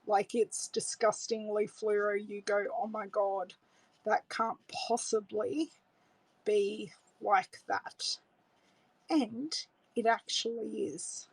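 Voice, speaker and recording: In a gravelly, mid-range voice with a breathy edge, a middle-aged Australian woman slowly talks through card making on a live stream, chatty and relaxed, thinking aloud and greeting viewers. Her indoor home craft room setup uses an overhead camera on her hands at the desk. Audio is poor, with no room sound.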